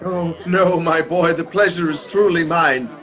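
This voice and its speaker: An actor playing a reformed old miser uncle in a theatrical radio play, exclamatory and generous, repeating himself for emphasis. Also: male voice, a little high, steady tone, measured pace, fairly bright tone. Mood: joyful, humble.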